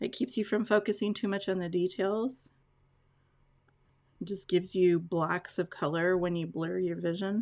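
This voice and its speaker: A quiet woman's voice, with ordinary pitch variation and long, frequent pauses, comes through in a very clean recording with a silent background. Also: medium pitch for a woman, moderate pace. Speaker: illustrator and art instructor. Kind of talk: live drawing tutorial. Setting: live stream. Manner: quiet, thinking pauses.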